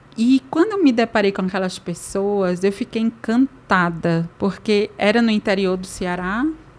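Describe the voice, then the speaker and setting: With a northeastern Brazilian accent, a woman speaks at a fairly slow pace, hardly pausing. Her pitch is medium, with ordinary variation. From Northeast Brazil, Recife, Pernambuco. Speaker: people and business strategist. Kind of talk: interview.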